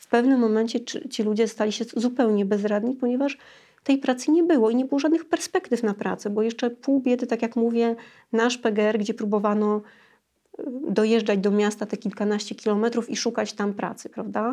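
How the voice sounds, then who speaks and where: Against a quiet background, a woman with a dark, mellow tone and fairly high pitch speaks at a fairly quick pace, with ordinary pitch variation. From Poland, Warmia and Masuria. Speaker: journalist. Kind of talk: interview.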